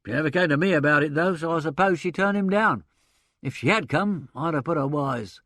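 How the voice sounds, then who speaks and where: A man's voice: fairly high pitch, brisk, a bit bright, dry recording, studio quality, pitched above the performer's own voice. A man voicing a blunt, talkative older theatrical agent who speaks in a colloquial, opinionated way. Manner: colloquial, drops grammar, chuckles, opinionated. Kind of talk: audiobook character reading.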